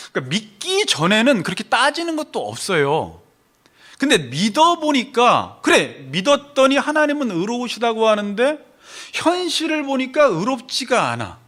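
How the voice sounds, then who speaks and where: A man preaching a sermon as pastor, animated, voicing questions and complaints as he teaches. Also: sits high. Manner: animated, acts out questions to God and complaints from the congregation.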